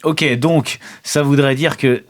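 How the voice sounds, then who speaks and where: A man's voice: medium pitch, fairly even intonation, takes it slowly. A man playing in an improvised role-playing game, bantering casually with the others.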